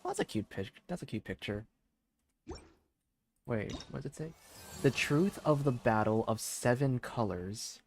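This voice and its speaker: A man's voice: medium pitch, lively intonation, unhurried, pauses often, a little hiss or hum. A man giving casual, rambling live commentary as a game streamer, hesitant and often repeating phrases. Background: game music.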